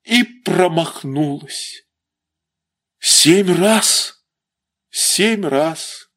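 A man's voice: a little high, extremely slow, fairly bright tone, voice pushed up, heavily acted. A man voicing a shaken young boy who answers his mother in short, subdued replies.

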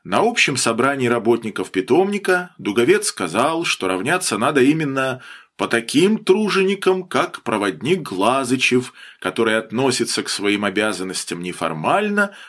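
A man reading an audiobook in a measured storytelling manner. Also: medium pitch, fairly bright tone. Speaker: audiobook reader. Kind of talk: scripted narration.

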